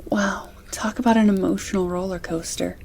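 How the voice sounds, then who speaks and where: A woman's voice: medium pitch, steady tone, normal speed, vocal fry, a little hiss or hum, close to an everyday voice. A woman acting in an amateur audio drama as a loving, sympathetic partner who listens in awe. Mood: amazed. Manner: gentle, sympathetic, awestruck. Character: loving, tender woman comforting her shaken partner.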